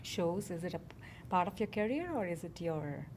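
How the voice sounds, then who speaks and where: A woman's voice: on the low side, animated, normal speed, darkish tone, a little hiss or hum. A woman asking a hesitant question, searching for words, from a bit away from the mic.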